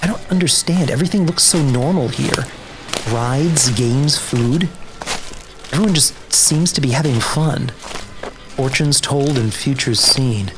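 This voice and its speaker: A man playing a sardonic, grudge-bearing wasteland survivor in a dark-humor audio drama, dry, wry and guarded. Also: mid-range voice, a little slow, background noise, close to an everyday voice. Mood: wry, observant. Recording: music under the voice.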